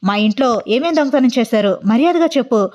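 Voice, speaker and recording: A woman's voice: fairly high pitch, lively intonation, darkish tone, lightly acted. Woman voicing Rishi, an arrogant young man. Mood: accusing. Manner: bossy, rapid-fire interrogating.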